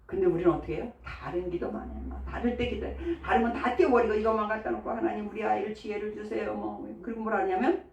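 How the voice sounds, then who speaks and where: A woman's voice: medium pitch, fast, a little mellow, highs cut off, a little hiss or hum. A woman pastor giving a sermon in a chatty way, often asking the congregation questions. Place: church sanctuary. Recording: echoey church hall from far off.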